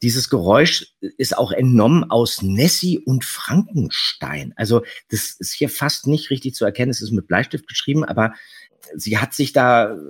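A man's voice: mid-range voice, husky, dry recording, clean studio sound. A man on a podcast panel, explaining things in a casual conversational way.

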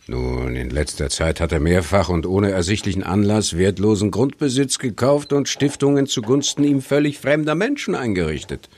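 Casual, shady low-voiced male lawyer. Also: lively intonation, a little mellow. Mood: smooth, casual. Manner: lets words drop casually, unfussy, slightly drawn-out. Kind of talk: German radio drama acting.

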